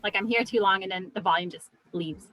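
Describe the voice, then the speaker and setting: A woman's voice: medium pitch, fairly quick. A woman chatting casually on a home video call with heavy noise on the line.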